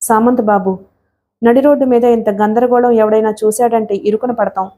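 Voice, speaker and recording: Woman reading storybook cop: corrupt man, bossy, fawning, high mellow tone. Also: fairly even intonation, moderate pace, close to an everyday voice. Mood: servile. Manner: barking, then servile. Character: bullying corrupt male police inspector, fawning to the rich.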